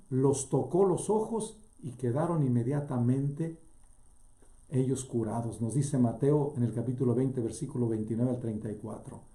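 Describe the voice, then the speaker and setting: A man's voice: mid-range voice, dark tone, reverberant. A man, a priest, preaching an earnest sermon with frequent restarts, reading scripture passages in both Spanish and English.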